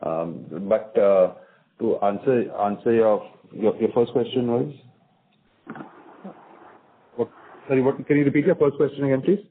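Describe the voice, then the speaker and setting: A man, a company executive, answering analysts on an earnings call in a measured way with frequent restarts. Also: medium pitch, slight background noise. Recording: tinny phone line.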